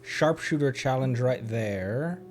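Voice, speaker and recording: A man's voice: mid-range voice, lively intonation, slow pace, a little hiss or hum. A man livestreaming a video game, chatting casually and playfully to himself as he plays. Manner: playful, giggly, self-talking. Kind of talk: casual game stream chat. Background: game music.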